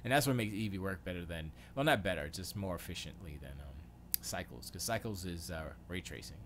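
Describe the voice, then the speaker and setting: A man's voice: low-pitched, lively intonation, a little fast, fairly bright tone, a little hiss or hum. A man from Florida hosting a casual livestream, thinking aloud as he tinkers in his home studio, muttering questions to himself and trailing off mid-sentence. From Florida, USA. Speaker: livestream host.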